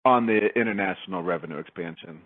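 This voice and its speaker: A man with a very low voice asks questions as a financial analyst. He speaks in conference call style, heard through a thin telephone connection. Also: fast. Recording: narrow tinny phone line.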